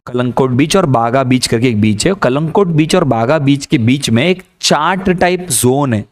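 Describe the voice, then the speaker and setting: A man teacher, telling stories casually and joking with his class while slipping into English. His voice sits a little high for a man. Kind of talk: lively classroom storytelling.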